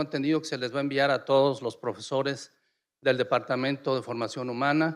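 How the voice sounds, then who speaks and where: Here is a man with an unremarkable speaking voice. He talks at a fairly high pitch and a fairly quick pace. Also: very clean recording, silent background. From Mexico, Uruapan, Michoacán. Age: 60s. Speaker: researcher and university teacher. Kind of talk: conference presentation.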